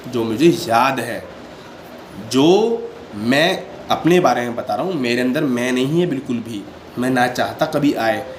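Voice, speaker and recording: A man hosting a devotional channel, talking casually and earnestly to his viewers and defensively explaining himself at length, sitting indoors and recording on a handheld phone. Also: mid-range voice. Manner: often repeats "ठीक है" to check in with listeners. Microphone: handheld phone without stand. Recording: echoey room with faint background noise.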